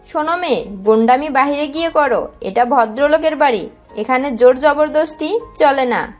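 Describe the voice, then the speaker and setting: A woman's voice: high voice, lively intonation, normal speed, soft background music. An actress playing a proper middle-aged mother who speaks in a scolding, dignified way in an audio drama. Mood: stern.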